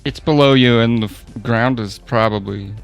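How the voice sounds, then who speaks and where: A man's voice: medium pitch, normal speed, gravelly, smooth, soft background music. A man bantering casually as a tabletop game player, loose, joking and happy to swear. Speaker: podcast player.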